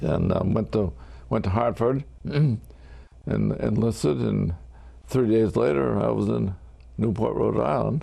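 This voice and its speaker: A man with a very deep, low voice speaks at a fairly slow pace with long, frequent pauses. His pitch swings very widely while his loudness stays very even. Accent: New England. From Connecticut (Bristol). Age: 80s+. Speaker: war veteran, retired fire chief. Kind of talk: interview. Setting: TV studio. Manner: halting.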